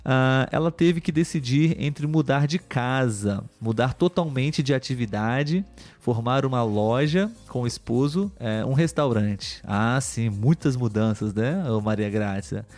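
A man's voice: medium pitch, measured pace, a little mellow. A man hosting a live stream for Portuguese learners, reading viewer comments in a patient, teacherly way with many filler tags. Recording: faint music in the background.

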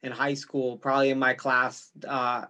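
A man's voice: medium pitch, flat delivery, normal speed, bright, forceful tone. Blunt profane New man. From Brooklyn, New York. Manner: profane, blunt street talk. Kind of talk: casual podcast chat.

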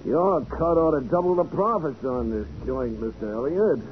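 An actor playing a smug small-time racketeer who taunts and threatens in an old radio crime drama. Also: male voice, on the high side, normal speed, close to an everyday voice. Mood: quietly threatening. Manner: taunting, smooth-talking threats. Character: menacing small-time racketeer, smug strong-arm crook. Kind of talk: 1940s radio crime acting. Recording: muffled, noisy 1940s radio recording.

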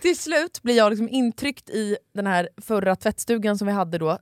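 A woman's voice: mid-range voice, lively intonation, no echo, clean studio sound. A woman co-hosting a podcast, telling a long story in a casual chat and swearing freely. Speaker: podcast co-host.

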